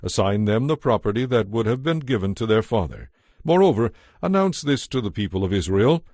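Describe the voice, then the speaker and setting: A man giving a measured, formal narration of scripture from a script. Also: on the low side, very animated, a little mellow, dry recording, studio quality. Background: music.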